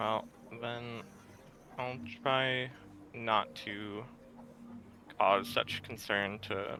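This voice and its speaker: A man's put-on character voice at medium pitch, very slow with long, frequent pauses and fairly even intonation, over clear background noise. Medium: actual play.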